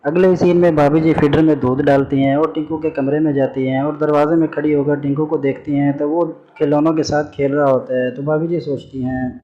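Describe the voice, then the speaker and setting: A man's voice: a little high, level tone, a little fast, warm tone, dull audio. A man narrating a story recap in a casual, chatty way, talking straight to his viewers as friends. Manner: chatty, addresses listeners as brothers and friends. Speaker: channel narrator.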